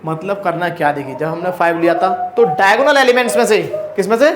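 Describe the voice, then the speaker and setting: High-voiced man teaching in an echoey room. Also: fast, noisy background. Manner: explains step by step, asking the class rhetorical questions; casual and chatty, calls students brother. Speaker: math teacher. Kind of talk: blackboard lecture.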